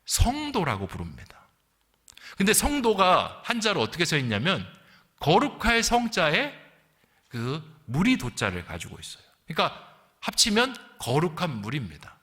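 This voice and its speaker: Middle-aged male pastor, animated and bright, teaching a sermon; church with a long echo. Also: a little high. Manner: lively teaching sermon, asks the congregation questions. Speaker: senior pastor. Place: church sanctuary. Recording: long hall reverb.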